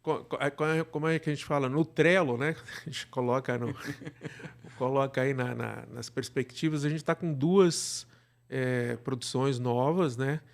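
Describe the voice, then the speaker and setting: A Brazilian man speaking as an interview guest, explaining things casually and haltingly, often checking that he is followed. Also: medium pitch, creaky. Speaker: podcast guest, radio drama producer.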